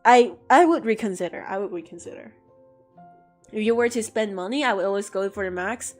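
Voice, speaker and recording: A woman's voice: medium pitch, a little fast, darkish tone, soft background music. A woman chatting casually with her livestream audience, talkative and given to mock-dramatic outbursts. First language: English. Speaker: art streamer answering chat.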